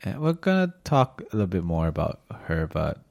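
Low-voiced, slightly raspy man chatting. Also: sing-song, a little fast, darkish tone. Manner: informal, slangy, swears. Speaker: podcast host. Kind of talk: casual chat. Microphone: podcast microphone.

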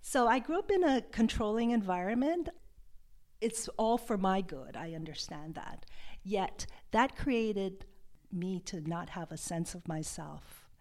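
A woman from Hawaii, a love and sexuality coach, talking in a soft, hesitant and reflective way as an interview guest. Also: medium pitch, lively intonation, measured pace. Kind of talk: podcast interview.

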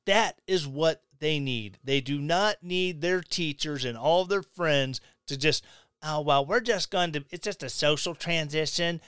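Here a Missouri man hosting a podcast rants bluntly, tossing in sarcastic asides throughout his opinionated monologue. He speaks unhurriedly in a fairly high, fairly bright voice, captured dry and clean at studio quality.

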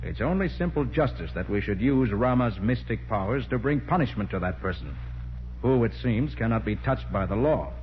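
An actor playing a commanding master detective, deliberate and authoritative, in a 1940s radio drama. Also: male voice, medium pitch, animated, lightly acted. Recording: muffled, hissy 1940s radio recording.

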